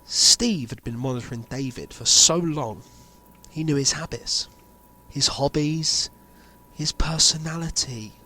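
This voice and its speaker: A man playing a grave insider revealing a sinister conspiracy in an amateur audio drama, speaking deliberately with dramatic pauses. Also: on the high side, sharp tone. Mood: explanatory, intent.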